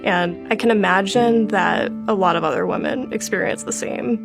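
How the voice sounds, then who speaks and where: Woman with vocal fry over loud music. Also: medium pitch, moderate pace. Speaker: patient sharing her experience. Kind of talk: personal testimonial, conversational. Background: guitar music.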